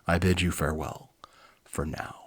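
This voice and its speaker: A man's voice: sits low, little pitch movement, moderate pace, fairly bright tone. A man voicing a grave, formal rock giant warrior in a children's storybook reading. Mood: solemn. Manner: solemn, formal.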